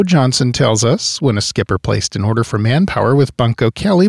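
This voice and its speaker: A man's voice: lowish voice, vocal fry, darkish tone, slightly rough, no echo. A man telling a local history tale in scripted narration, with wry, dry humorous asides. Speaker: history podcast host.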